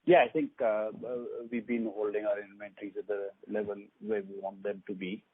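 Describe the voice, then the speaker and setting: Low husky man on a conference call. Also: flat delivery, no echo. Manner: measured, hesitant with many fillers. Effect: conference call phone line. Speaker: company executive answering analysts. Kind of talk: earnings conference call answers. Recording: tinny dry phone line.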